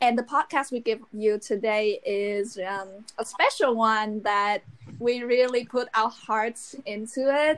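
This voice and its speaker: In a Vietnamese accent, a woman speaks at a very slow pace. Her fairly high pitch moves with fairly even intonation. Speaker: university student. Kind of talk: casual chat.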